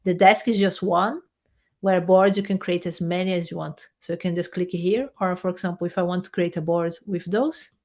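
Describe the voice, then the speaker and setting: A woman researcher and software developer, a guest in a casual interview, talking animatedly as she walks through a software demo on screen. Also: lowish voice, normal speed. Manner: animated, explains while clicking through a screen demo, many restarts.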